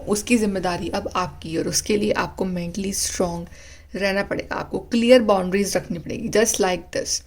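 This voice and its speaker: A woman's voice: a little high, darkish tone. Woman, tarot reader, earnest, coaching tone, switches between Hindi and English. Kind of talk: spiritual tarot reading to camera.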